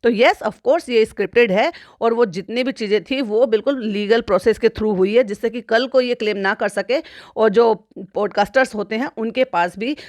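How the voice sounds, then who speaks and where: A woman's voice: on the high side, moderate pace, a little mellow, no room sound. A woman hosting a casual commentary monologue, chatty and repetitive, with frequent exclamatory asides. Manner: chatty, repeats phrases, frequent "bhai sahab" asides. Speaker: YouTube commentary host.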